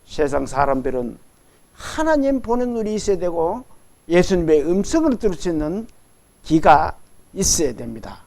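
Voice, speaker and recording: A man's voice: fairly high pitch, sing-song, moderate pace, mellow. A middle-aged man preaching a sermon as pastor, leading his congregation through Bible readings.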